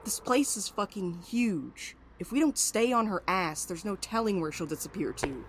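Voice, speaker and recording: A woman's voice: mid-range voice, animated, normal speed, background noise, natural voice. A woman acting in an audio drama as a brash, impatient and snarky amateur sleuth with a blunt manner. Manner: blunt, foul-mouthed, bossy.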